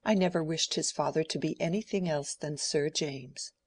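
Elderly dowager, measured and proper, audiobook, reader doubling. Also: mid-range voice, dry recording, natural voice. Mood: dignified. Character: dignified elderly dowager lady. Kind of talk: audiobook character voice.

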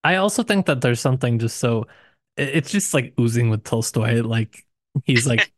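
Halting, musing man on a dry mic. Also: dry recording. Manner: hesitant, many restarts and hedges, animated pitch jumps. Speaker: podcast co-host discussing a novel. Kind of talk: casual book discussion.

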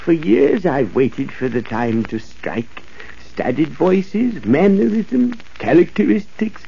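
High-pitched deranged radio villain. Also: male voice, sing-song, gravelly, warm tone, heavily acted. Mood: grandiose scheming. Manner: theatrical, halting, gloating, with drawn-out words. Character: deranged male villain, a mask-making former artist. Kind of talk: old-time radio thriller acting. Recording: muffled, noisy old radio recording.

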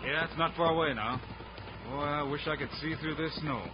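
A man's voice: fairly high pitch, brisk, close to an everyday voice. Man as Wild Bill Hickok, firm frontier lawman. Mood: alert. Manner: firm, plain-spoken. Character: steady, decisive heroic frontier lawman. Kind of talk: old-time radio western acting. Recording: noisy, muffled vintage radio recording.

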